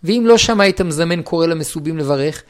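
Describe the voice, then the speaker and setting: A man reading a Jewish law book aloud in a measured, steady recitation, now and then restarting a word. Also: a little high. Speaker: reader of a Jewish law text. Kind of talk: formal read-aloud of a religious law book.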